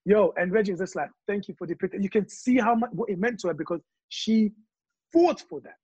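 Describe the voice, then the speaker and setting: A man from Congo talking passionately in casual chat, telling his views with animated stories. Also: high-pitched, a little fast, breathy edge, dry recording, muffled recording.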